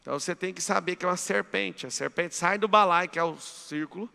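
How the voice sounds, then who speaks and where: Speaking fast, this Brazilian Portuguese-accented man acts as a mentor at a live motivational seminar, hammering his listeners with emphatic commands. His pitch is high and his tone deeply gravelly, bright and forceful. The large hall adds a long reverb tail after every phrase.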